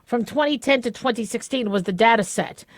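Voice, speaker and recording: A woman's voice: fairly high pitch, fairly quick, no room sound. A middle-aged American woman hosting talk radio, with a lisp that slurs her s sounds and an occasional stutter. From southwestern United States. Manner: occasional stutter, stumbling over words. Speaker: radio talk show host. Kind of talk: casual talk radio commentary on a news article.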